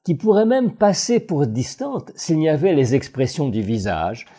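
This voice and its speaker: Male voice coach, scripted analysis, very dark timbre, lively melodic delivery. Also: fairly high pitch. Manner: measured, analytical, expressive phrasing.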